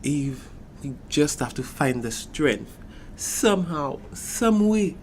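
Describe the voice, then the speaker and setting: A man's voice: on the high side, expressive, takes it slowly. Guy acting flamboyant gay best friend, caribbean accent, sassy gossipy but caring, audio drama chat, some noise behind. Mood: sympathetic. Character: flamboyant, gossipy, sympathetic gay man, loyal confidant. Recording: noticeable background noise.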